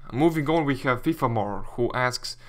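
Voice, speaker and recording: A man's voice: mid-range voice, normal speed. Young Latvian-accented man, casual gaming commentator. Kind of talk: casual Q&A commentary reading viewer questions.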